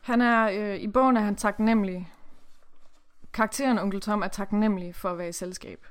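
A woman's voice: medium pitch, steady tone. A woman hosting a podcast, chatting casually, bluntly, and swearing freely, who reads passages aloud. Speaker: podcast host. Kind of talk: casual chat with reading aloud.

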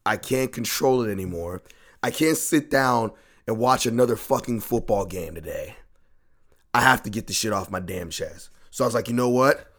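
A hoarse man who has lost his voice, hosting a sports podcast alone and ranting in frustration with plenty of swearing and repetition. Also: on the low side, normal speed, fairly bright tone. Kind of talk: solo ranting sports talk.

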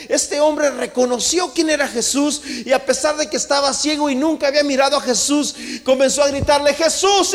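A man with a very high voice preaches a sermon from the pulpit, his words ringing with a long reverb through the church. He presses hard on his congregation, calling out loudly one moment and dropping to a hushed aside the next. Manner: impassioned, swings between loud calls and hushed asides. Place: church sanctuary.

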